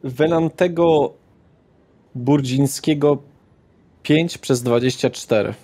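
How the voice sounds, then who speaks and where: A man's voice: mid-range voice, slow pace, warm tone. A man narrating a tabletop roleplaying game as game master, describing scenes with small hesitations.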